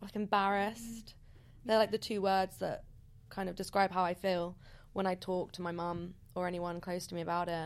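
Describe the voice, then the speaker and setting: Her medium-pitched voice keeps a monotone, flat intonation as this woman speaks on a very clean recording with a silent background. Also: moderate pace. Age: 20s. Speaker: fitness content creator. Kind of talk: casual chat. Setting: studio.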